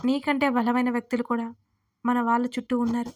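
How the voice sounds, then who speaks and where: A woman's voice: on the high side, flat delivery, fairly quick, lightly acted. A woman voicing a clingy, reproachful young wife in a narrated audio story. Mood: thoughtful. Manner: sulky and reproachful. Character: sulky, clingy young wife, sharp-tongued.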